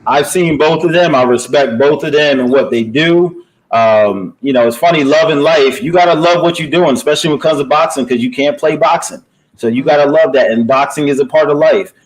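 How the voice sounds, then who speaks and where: Promoter type: male, energetic and persuasive, slightly raised pitch. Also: a little hiss or hum, low-quality recording. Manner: upbeat, motivational, urging. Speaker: boxing promoter. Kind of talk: casual promotional chat.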